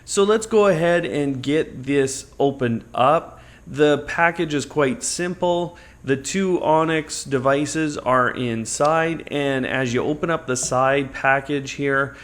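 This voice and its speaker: A man's voice: medium pitch, takes it slowly, few pauses, a bit bright. Conversational man presenting a tech tutorial. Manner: explanatory, step-by-step. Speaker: product review host. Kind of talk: unboxing and tutorial narration, conversational.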